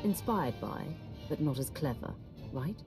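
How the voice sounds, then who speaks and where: A woman's voice: low-pitched, expressive, unhurried. A woman voicing a blunt, sardonic female Sith warrior commander. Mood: dry, wry. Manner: dry, sardonic. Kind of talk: video game voice acting. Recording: music bed under the dialogue.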